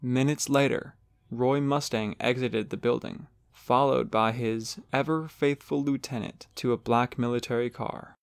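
A man's voice: medium pitch, steady tone, measured pace, creaky, few pauses, clean tone. A man reading scripted story narration for an audio drama.

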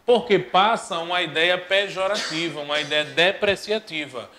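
Man, grammar teacher, high voice, animated, joking, asks and answers his own questions. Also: moderate pace. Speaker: Portuguese teacher. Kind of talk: lively recorded grammar lesson.

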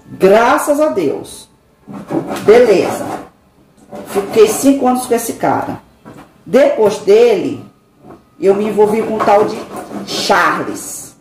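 A woman's voice: mid-range voice, a little mellow. A middle-aged woman, chatting casually and confidingly to her viewers from her home kitchen, with dramatic sighs. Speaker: vlogger. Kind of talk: casual chat. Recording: echoey kitchen with noise.

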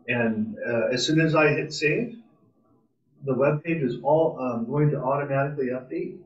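A man's voice: mid-range voice, normal speed. Distant, echoey man teaching coding informally. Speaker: presenter at a robotics club meetup. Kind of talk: informal live coding tutorial. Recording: distant, roomy, muffled meeting-room sound.

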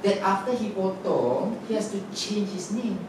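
A man's voice: high voice, animated, moderate pace. A man with a Singaporean accent playing a teasing middle-aged trans woman aunt in a staged reading, full of sassy, mocking banter. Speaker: stage actor. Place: theater black-box stage with audience. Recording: roomy theater stage, distant mic, noisy.

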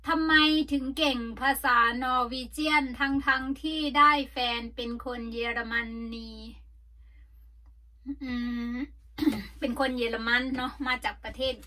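Isan-accented woman vlogger, middle-aged, high and bright, rambling casual chat from a sauna with coughs. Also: slow pace. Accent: Isan Thai. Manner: chatty, rambling with frequent coughs.

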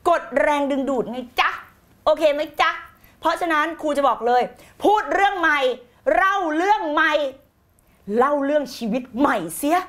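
A law of attraction coach with a high, bright voice teaches her live-stream audience at normal speed with fiery, emphatic energy. She repeats key phrases to hammer points home, urges viewers to shout back, and drops in the odd English word and blunt slang.

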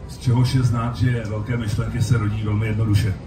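A man's voice: on the low side, level tone, music in the background. A middle-aged man giving a short anecdotal speech from an open-air festival stage. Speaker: festival speaker. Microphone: stand mic through PA, recorded from audience. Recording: noisy, echoey stage PA from far off.

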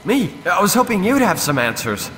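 An actor playing a bewildered, panicky ordinary man in a video game, speaking urgently and haltingly in disbelief. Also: very animated. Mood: confused, wary. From Toronto, Canada. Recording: loud rumbling machinery noise behind.

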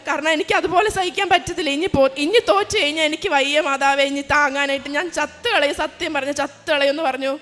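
A young adult nursing student gives an earnest, emotional personal religious testimony in a high-pitched, slightly bright voice. The recording carries a long hall reverb.

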